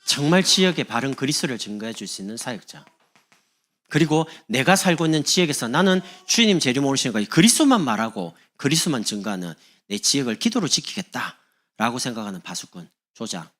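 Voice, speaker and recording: A man from Busan, preaching a sermon as pastor in an animated, humorous way. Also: mid-range voice. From Busan, South Korea.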